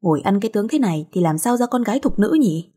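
A woman's voice: mid-range voice, expressive, fast talker, warm tone, breathy edge. A woman voicing a stern, fussy grown man who speaks curtly and finds fault. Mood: reproachful. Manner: curt, reproachful.

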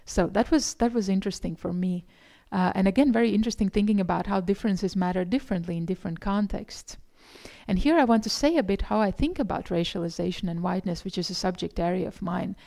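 A middle-aged woman from gives a conference lecture, explaining and reflecting in a halting, thoughtful way. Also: mid-range voice, vocal fry, dark tone. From Eastern Europe. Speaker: academic keynote speaker. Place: indoor conference room, presenting in front of slides.

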